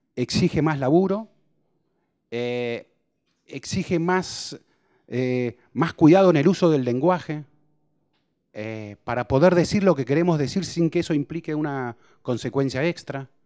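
A man talks at a fairly slow pace with long, frequent pauses and ordinary pitch variation against a quiet background. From Argentina. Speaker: sports journalist. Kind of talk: panel talk. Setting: auditorium with audience. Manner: halting, many repetitions and fillers. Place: hall. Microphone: handheld.

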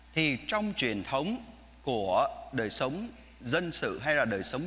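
A man speaks in a bright, sharp tone with vocal fry. His pitch swings very widely at a fairly slow pace. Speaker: priest. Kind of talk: sermon. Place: church.

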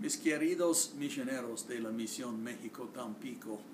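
Very slow speech from a man, with noticeable background noise. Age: 80s+. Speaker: former mission president. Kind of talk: recorded announcement. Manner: halting. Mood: warm, affectionate. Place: home room.

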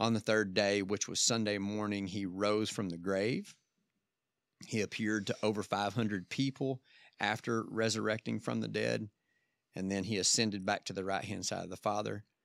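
A man with a Southern US accent talks at a fairly low pitch and a moderate pace, in a monotone, flat intonation. The sound is dry with no echo, and the background is quiet. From US South. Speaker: podcast co-host. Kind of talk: casual chat. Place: studio. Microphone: studio mic.

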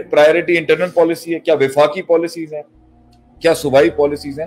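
A man's high-pitched voice with faint music in the background. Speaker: Islamic scholar. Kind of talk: religious lecture speech. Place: studio. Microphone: studio mic.

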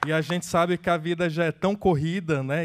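A man with a fairly high pitch at a moderate pace. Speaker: social movement activist. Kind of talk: public speech at seminar. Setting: assembly hall with audience. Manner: animated, jokey. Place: hall. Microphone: handheld.

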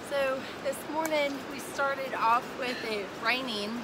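Loud background noise sits under a woman speaking with ordinary pitch variation. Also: dry sound with no echo. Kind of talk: casual vlog chat. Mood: cheerful, upbeat. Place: forest. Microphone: phone near.

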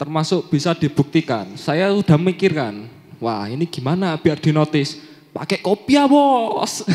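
This man's fairly high voice has lively intonation, delivered at a fairly slow speed. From East Java. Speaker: audience member. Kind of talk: audience question. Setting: stage with audience. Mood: light, joking. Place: hall. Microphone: handheld.

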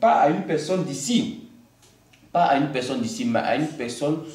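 A man's voice with audible room echo. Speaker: bishop. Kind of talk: preaching. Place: studio.

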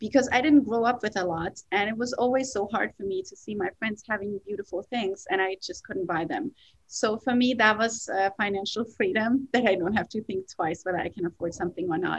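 A woman with a German accent and a fairly high pitch talks at a fairly quick pace with ordinary pitch variation. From Germany. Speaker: real estate agent; podcast guest. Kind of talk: interview. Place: home room. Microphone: video call.

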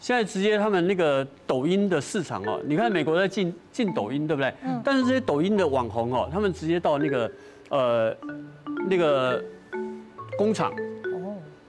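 A man speaks at a moderate pace. Clear music plays behind him. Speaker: guest. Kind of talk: talk show explanation. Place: studio.

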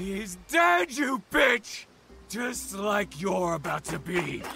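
A growling, shouted put-on character voice at middle pitch, very slow, with music in the background. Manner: snarling, threatening.

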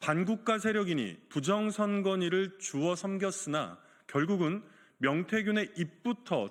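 A man's high-pitched voice at a fairly slow pace, with ordinary pitch variation and very even loudness, on a very clean recording with a silent background. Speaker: party spokesperson. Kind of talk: press briefing. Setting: press conference room. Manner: formal.

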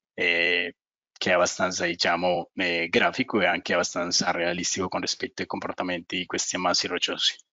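A man speaks with a Spanish accent. His voice is very deep and low, delivered in a flat monotone. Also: fairly quick pace. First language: Spanish (speaking Italian). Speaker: geotechnical engineer. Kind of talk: webinar presentation. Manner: hesitant, many fillers.

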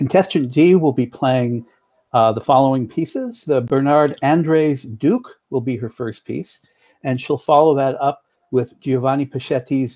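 A man at a fairly slow pace, with ordinary pitch variation and a quiet background. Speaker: competition announcer. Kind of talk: formal announcement. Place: home room. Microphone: earbuds.

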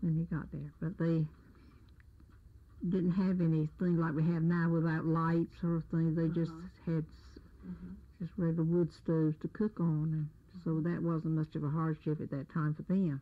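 With an American accent, a woman speaks at a moderate pace in a fairly low, dark, mellow tone. Her voice is somewhat breathy and her intonation monotone and flat. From Ocracoke, North Carolina. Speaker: retired nurse and midwife's assistant. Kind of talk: oral history interview answer. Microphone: old recording.

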